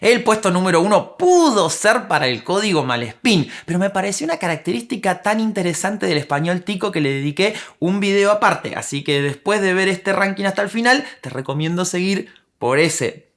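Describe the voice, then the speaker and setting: Lively Argentine woman narrating a lesson. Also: mid-range voice, brisk, few pauses. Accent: Rioplatense Argentine. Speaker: language teacher and channel host. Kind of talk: scripted voice-over narration.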